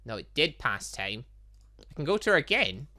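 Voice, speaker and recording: A man's voice: medium pitch, big pitch swings, moderate pace, pushed and bright. A man giving casual, chatty gaming commentary, thinking aloud as he goes. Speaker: gaming channel host. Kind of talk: casual gaming commentary, reading visual novel dialogue aloud.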